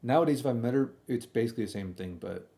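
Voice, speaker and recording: A man's voice: mid-range voice, fast, vocal fry, warm tone. A young man telling a casual, slangy stream story, often doubling back and repeating himself as he comments on old videos.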